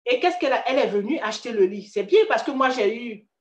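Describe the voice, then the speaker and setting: Ivorian woman career coach, chatty and direct, higher voice, echoey room. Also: lively intonation, fast talker. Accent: Ivorian French. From Ivory Coast. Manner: chatty, addresses listener as tu, frequent restarts. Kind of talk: casual motivational talk.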